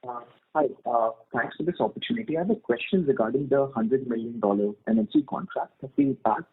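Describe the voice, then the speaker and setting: A man's voice: mid-range voice, very animated, a little fast, vocal fry, very noisy. A man with an Indian accent, an investor politely and hesitantly putting questions on an earnings call. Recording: muffled narrowband phone line.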